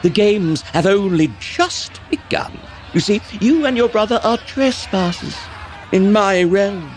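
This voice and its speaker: An actor playing a gloating, cruel dark elf lord in an audio drama, theatrical and mock-sweet as he savors each word. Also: high-pitched, expressive, unhurried, faint music behind. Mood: smug menace. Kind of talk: scripted audio drama acting.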